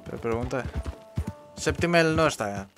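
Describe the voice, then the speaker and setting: Young male streamer, Madrid accent, bright tone, casual and halting on a headset, faint game music behind. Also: mid-range voice. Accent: Madrid Spanish. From Spain. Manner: relaxed, halting, with frequent fillers. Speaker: gameplay streamer. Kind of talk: casual co-op gaming chat.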